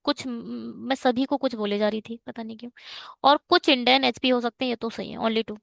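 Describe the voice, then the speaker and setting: A woman's voice: a little high, steady tone, fairly quick, gravelly, a bit bright, dry recording, studio quality. A woman teaching reasoning for bank exams in a chatty online lesson, mixing Hindi and English and ranting at exam setters.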